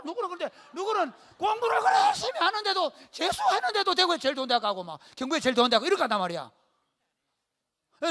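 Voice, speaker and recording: High-voiced preacher. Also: male voice. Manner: lively storytelling preacher, rhetorical questions to the congregation. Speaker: pastor. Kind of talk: sermon.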